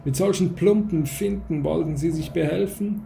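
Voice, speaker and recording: A man's voice: fairly high pitch, normal speed, gravelly, warm tone, a little hiss or hum. A man voicing a stern, condescending official who lectures and scolds in an audiobook reading. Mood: scornful. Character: stern, cold male official of a drugged state.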